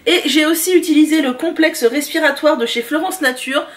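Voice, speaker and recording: Recorded at home, a high-voiced woman who vlogs about beauty and lifestyle runs through her favorite products in a chatty, excited, casual review. Small filler pauses crop up often, and she sounds set back from the microphone.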